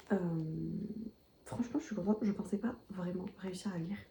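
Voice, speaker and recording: A woman whispers at a fairly quick pace. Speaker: booktuber. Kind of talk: casual vlog chat. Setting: at home at night. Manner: whispering. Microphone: may be too quiet, volume boosted.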